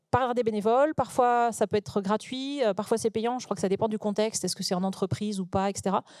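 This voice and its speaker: On a very clean recording with a silent background and a dry, close sound with no echo, a woman talks at a fairly quick pace in a fairly high pitch with ordinary pitch variation. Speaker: eco-advisor for the culture sector. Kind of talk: lecture. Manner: fast.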